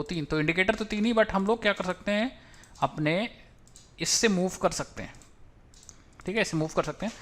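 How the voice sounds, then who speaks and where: A man walks through a coding tutorial at his desk, talking casually and thinking aloud. His voice sits a little high, and he drops English technical terms into his speech. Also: fairly bright tone. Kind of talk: screen-recorded coding tutorial.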